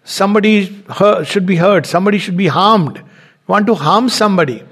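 A man's voice: high voice, a little fast, fairly bright tone, breathy edge. A man giving a spiritual teaching talk, explaining his points step by step. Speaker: spiritual lecturer.

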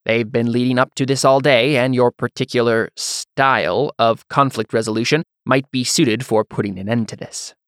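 A man's voice: medium pitch, steady tone, moderate pace, few pauses, clear, resonant tone, no room sound, clean studio sound, lightly acted. A man voicing a busy, curt senior overseer in a fantasy audiobook, with formal phrasing. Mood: brisk.

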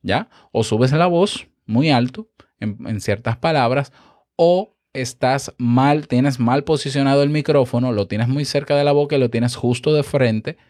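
Male podcast instructor, mid pitch, animated explainer, dead-dry close-mic sound. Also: a little slow, dry recording. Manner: animated, explanatory, checks in with the listener often. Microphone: close studio microphone with compressor.

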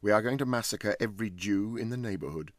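A man voicing a calm, offhand young man who talks of dreadful things in a careless, deadpan way. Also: fairly low pitch, fast, no room sound, clean studio sound, lightly acted.

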